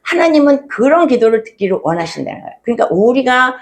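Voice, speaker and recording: Gravelly-voiced woman preaching a sermon. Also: on the high side, sing-song, fast. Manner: storytelling, acts out quoted voices, rising emotion. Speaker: pastor.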